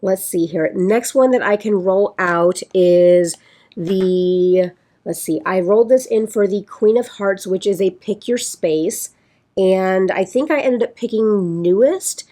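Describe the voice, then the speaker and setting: Raspy, congested woman chatting casually. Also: medium pitch, slow, warm tone. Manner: chatty, rambling, with restarts. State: hoarse and congested from a sinus infection. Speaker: beauty vlogger. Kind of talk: casual chat.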